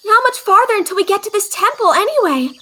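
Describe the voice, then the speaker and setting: A woman's voice: very high-pitched, expressive, fast, a bit bright. A woman playing a curious, chirpy young female tourist in a fan audio drama.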